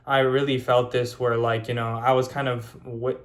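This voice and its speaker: A man's voice: medium pitch, flat delivery, normal speed. A man of twenty talking casually to camera in a vlog, rambling with many fillers and restarts. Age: 20s. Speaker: YouTuber.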